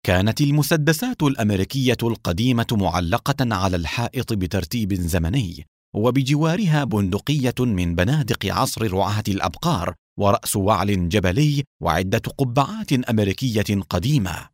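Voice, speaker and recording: A man narrating an audiobook in an expressive storytelling manner. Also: fairly low pitch, a little fast, dry recording, studio quality.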